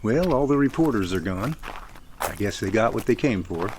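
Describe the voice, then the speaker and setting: A man playing a cautious, thoughtful character in conversational, measured audio drama dialogue. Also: fairly low pitch, animated, noisy background, close to an everyday voice. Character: thoughtful, cautious man chatting with his friend.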